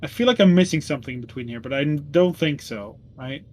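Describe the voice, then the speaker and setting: A man's voice: on the high side, animated, fairly quick, darkish tone. A man recapping the last tabletop game session in casual chat, full of ums and self-corrections. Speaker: player giving the session recap.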